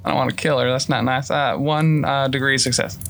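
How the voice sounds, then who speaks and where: A man's voice: medium pitch, fairly even intonation, fairly quick, creaky, noisy background. A man playing a tabletop game, playful and full of hypothetical questions. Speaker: player. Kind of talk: casual tabletop play.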